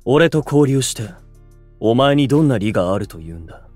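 A man's voice: mid-range voice, expressive, brisk, a little mellow, no echo, soft background music, close to an everyday voice. A man playing a stern, distrustful young older brother in a voice drama, curt, haughty and formal, protective and aloof. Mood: hostile, suspicious. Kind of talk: Japanese voice drama acting.

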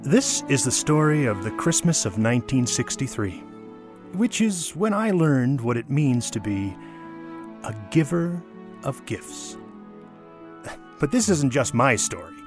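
A man's voice: mid-range voice, sing-song, a little slow, pauses often. A man narrating a dramatic story as a grown son reflecting on his childhood. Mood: reflective, tender. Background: music.

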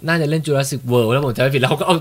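A man's voice: medium pitch, fast talker. A man hosting a podcast, chatting casually and asking teasing, playful questions. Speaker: podcast host. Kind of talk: casual interview chat.

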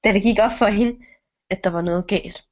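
Woman telling a tale, lo-fi sound. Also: mid-range voice. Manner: animated, acts out the characters' lines. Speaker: storyteller. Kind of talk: improvised storytelling with a friend. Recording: dull lo-fi recording.

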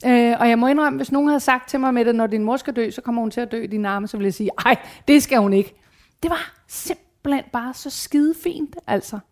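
Candid, animated woman telling stories. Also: on the high side. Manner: animated, candid, swears casually, acts out quoted voices. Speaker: guest. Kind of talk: casual chat, personal storytelling.

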